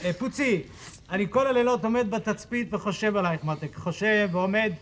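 A man's voice: sits high, slight background noise. A man playing a lovesick soldier husband on reserve duty, calling home in an old comedy sketch. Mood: pleading. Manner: loud, pleading, romantic.

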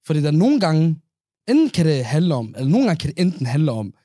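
A man co-hosting a casual podcast chat, talking in a relaxed, halting way. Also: fairly high pitch, no echo, clean studio sound. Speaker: podcast co-host.

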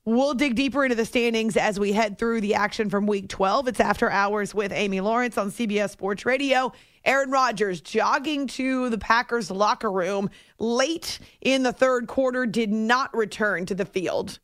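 Woman, sports radio host, chatty, higher pitch, dry studio mic. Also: fairly bright tone, dry recording. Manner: chatty, quick asides. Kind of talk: late-night sports radio talk. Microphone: studio microphone.

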